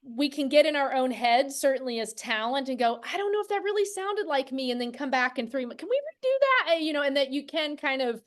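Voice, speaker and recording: A woman's voice: high voice, animated, a little fast, hardly any pauses. A woman hosting a conversational interview, speaking in an affirming, enthusiastic way. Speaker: podcast host interviewing guests.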